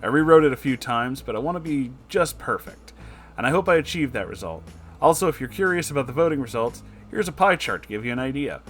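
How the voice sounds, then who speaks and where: A man's voice: mid-range voice, expressive, quick pace, fairly bright tone, soft background music. A man narrating a comedic story as host, with an emphatic, dramatic storytelling delivery.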